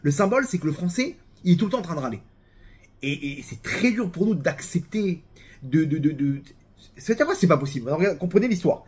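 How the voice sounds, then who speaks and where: A man with a French accent giving a casual religious talk, animated and full of restarts and repeated words. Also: on the high side, quick pace, breathy edge.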